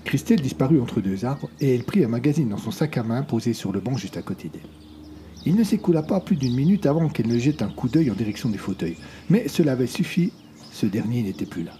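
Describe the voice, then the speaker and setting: A man reading a story aloud as narrator, expressive and shifting his voice between characters. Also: fast, a little hiss or hum. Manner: expressive, varies pitch widely between characters. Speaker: audiobook narrator. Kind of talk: scripted narration.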